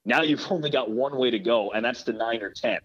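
A man's voice: mid-range voice, a little fast, muffled recording. A man, a sports broadcaster, giving earnest, explanatory answers in a conversational interview and repeating words for emphasis. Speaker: hockey play-by-play broadcaster being interviewed.

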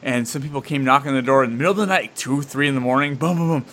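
A man's voice: medium pitch, very fast. A young man hosting a podcast, telling loose, profane stories in casual chat and acting out what people said. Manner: animated, profane storytelling with acted-out quotes. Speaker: podcast host.

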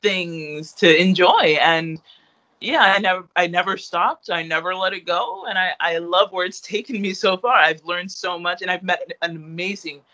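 Young male interviewee, high and bright, rambling casual talk, slightly muffled audio. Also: moderate pace. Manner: rambling, lots of fillers and restarts, laughs easily. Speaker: interviewee, artist.

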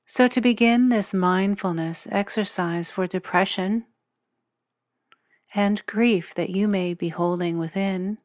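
Woman doing guided meditation, really slow and soothing, close dry sound, lots of pauses. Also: mid-range voice, no room sound. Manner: gentle, soothing, unhurried, measured with long pauses. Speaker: meditation guide and podcast host.

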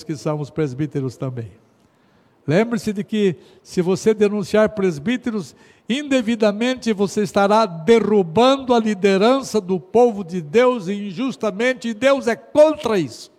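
A middle-aged pastor with a Brazilian Portuguese accent preaches a sermon, emphatic and exhorting, swinging between loud stresses and quiet asides. His voice is high-pitched, and long hall reverb surrounds it.

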